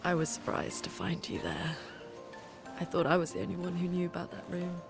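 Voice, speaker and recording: A woman's voice: lowish voice, very animated, brisk, gravelly, over music. An actress playing a serious, analytical young woman who questions her companions, in a game cutscene. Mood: soft. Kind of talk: video game cutscene acting. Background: orchestral game score.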